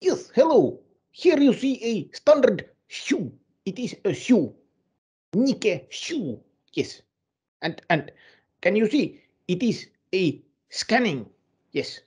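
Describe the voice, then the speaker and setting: A man playing an eccentric, simple-minded field reporter in a comic news report, speaking haltingly and repeating himself with odd emphasis. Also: sits high, a little mellow, slightly rough, pitched above the performer's own voice, heavily acted. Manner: halting, repetitive, oddly emphatic.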